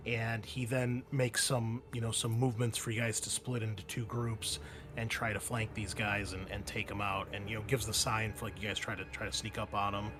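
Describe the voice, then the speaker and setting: A man narrating a tabletop game as game master, talking to his players in a halting, conversational way. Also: fairly low pitch, noisy background. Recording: music behind the voice. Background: background music.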